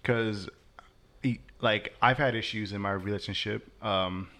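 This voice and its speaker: Hesitant man with a low voice. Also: fairly even intonation, measured pace, pushed and bright. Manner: hesitant, many fillers and restarts. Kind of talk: casual group chat.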